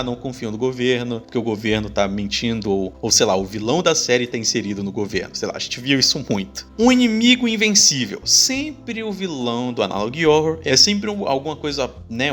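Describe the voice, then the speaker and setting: A man's voice: fairly high pitch, a bit bright. A young man with a Brazilian accent narrating a video essay in a casual, conversational way, with playful asides. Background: background music.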